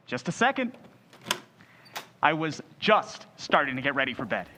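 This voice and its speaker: Snippy, shrill young man. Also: big pitch swings, takes it slowly, sharp tone, a little hiss or hum, heavily acted. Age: young adult. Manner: snippy, haughty. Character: indignant, touchy young male cousin under suspicion. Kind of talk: old-time radio drama acting.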